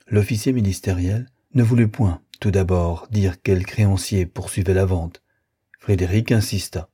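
A man narrates a classic novel in a measured, steady audiobook style. His voice is low and dark, with a markedly husky, breathy grain. The delivery stays even and composed throughout. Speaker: audiobook reader.

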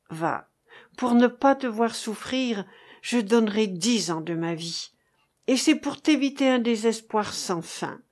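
A woman's voice: on the high side, a little mellow. A woman reading the part of a seasoned corsair captain in an audiobook, firm and earnest. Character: seasoned corsair captain, commanding yet fatherly.

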